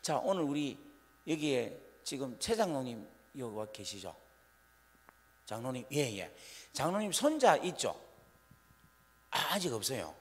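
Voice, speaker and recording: Pastor guy w/ preaching, asks the crowd stuff, high swoopy voice, big echoey church. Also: unhurried, pauses often. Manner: animated, asks the congregation questions and acts out scolding parents. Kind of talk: revival sermon. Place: church sanctuary. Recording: long church hall reverb.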